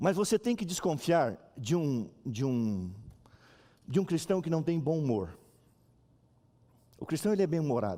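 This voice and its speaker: Fairly slow speech from a man with a dark, mellow tone, fairly high pitch, very wide pitch swings and long, frequent pauses, on a very clean recording with a silent background. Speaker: pastor. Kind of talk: sermon. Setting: church. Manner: animated.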